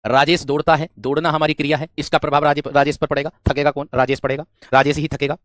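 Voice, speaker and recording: This is a man teaching a grammar class for exam candidates. He keeps asking questions and answering them himself, and he often repeats phrases. His voice sits somewhat high and is recorded dry and close. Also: level tone, quick pace, a bit bright, dry recording. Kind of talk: exam-prep grammar lesson.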